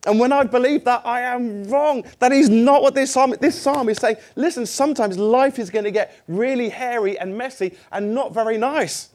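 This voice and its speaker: A man's voice: very high voice, normal speed, hardly any pauses, a little mellow. A middle-aged man preaching a sermon in a church, conversational and self-deprecating, putting questions to the congregation.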